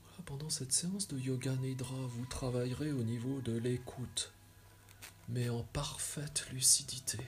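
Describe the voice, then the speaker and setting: Slow-paced man guiding a relaxation. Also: medium pitch, steady tone. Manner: soothing, measured instructions with long pauses. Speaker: yoga nidra guide. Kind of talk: guided relaxation meditation.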